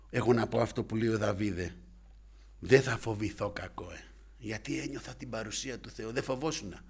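A man preaching a sermon with fervent delivery, swinging from hushed asides to loud exclamations and often adding short interjections. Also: medium pitch, breathy edge.

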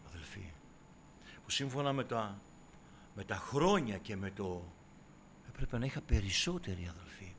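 A man preaching a sermon to his congregation, dropping to hushed asides and then rising into loud, impassioned exhortation. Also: lowish voice, a little hiss or hum. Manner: keeps addressing listeners as brothers and sisters.

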